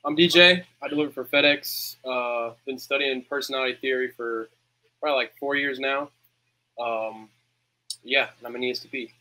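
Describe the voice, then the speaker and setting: A man's voice: mid-range voice, fairly even intonation, normal speed, pushed and bright, rough recording. A man guest on a group video call, giving a brief, offhand introduction.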